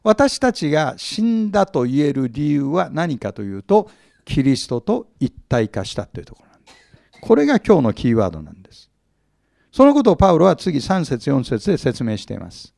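A man's voice: fairly high pitch, huge pitch swings, moderate pace, creaky, a little mellow, no room sound, studio quality. A male pastor teaching from the Bible, often asking his audience questions, stressing words with force and acting out small humorous scenes. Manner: humorous, acts out little scenes.

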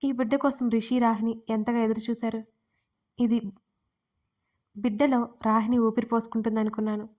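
A woman's voice: on the high side, level tone, normal speed, long pauses, warm tone. A woman narrating a first-person audio story in an earnest, emotional way.

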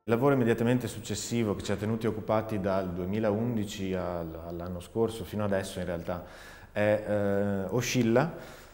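A man's voice: on the low side, steady tone, normal speed, a little mellow, soft background music. A man in his forties explaining his artistic work in an interview, thoughtfully, with searching restarts. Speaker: performing artist and sound researcher. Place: dark indoor studio, seated. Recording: roomy, reverberant hall sound.

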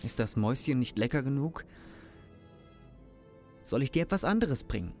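A man's voice: mid-range voice, sing-song, moderate pace, a little mellow, faint music behind. A man playing a timid, awkward accountant who speaks hesitantly in a German audio drama. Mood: gentle, coaxing. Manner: hesitant, stammering. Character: timid, awkward loner male accountant doting on his snake.

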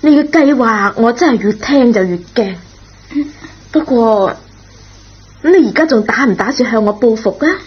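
An actress playing a kind, forgiving schoolteacher in a radio drama, speaking in a gentle, measured, reassuring way. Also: female voice, a little high, lively intonation, husky. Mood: calm, relieved. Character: kind, forgiving, patient female schoolteacher, a parent. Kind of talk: Cantonese radio drama acting. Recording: dull, noisy old radio recording.

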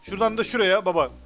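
A man with a bright, high voice gives fast, jumpy let's play commentary. He gets excited and frustrated and curses often. Faint game music plays behind him. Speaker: gamer.

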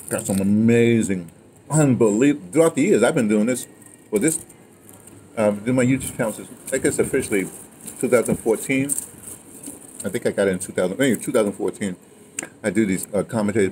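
A man's voice: lowish voice, animated, brisk, long pauses, mellow. Older American man, emphatic, digressive storyteller. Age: older, 60s or 70s. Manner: emphatic, digressive, repeats words. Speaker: interviewer and former radio dramatist telling his own history. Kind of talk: casual conversational storytelling. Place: outdoor patio at a table. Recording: noisy outdoor restaurant ambience.

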